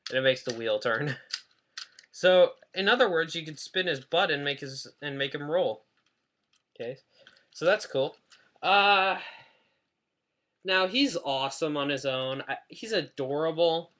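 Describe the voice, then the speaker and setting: A man's voice: fairly high pitch, expressive, a little slow, pauses often, a bit bright. A man chatting casually in a rambling, self-deprecating way while reviewing a toy on his webcam at home. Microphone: webcam mic.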